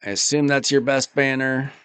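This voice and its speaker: A man live-streaming a game, thinking aloud in a relaxed, casual way while his voice is going. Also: mid-range voice, normal speed, clean tone, no room sound. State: losing his voice.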